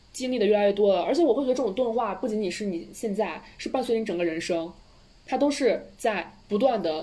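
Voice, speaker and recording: At a fairly quick pace, a woman speaks with lively intonation in a dark, mellow tone at a medium pitch. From Xi'an, northwest China. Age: 20s. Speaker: university graduate, podcast co-host. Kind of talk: casual chat. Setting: remote, away from campus.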